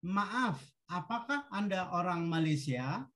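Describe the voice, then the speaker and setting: A woman teacher reads out short drill sentences at a very slow pace. Her delivery is deliberate and instructional, leaving each phrase ready to be repeated. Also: on the low side, lively intonation, fairly bright tone. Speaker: language teacher. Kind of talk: language drill, reading short sentences for repetition.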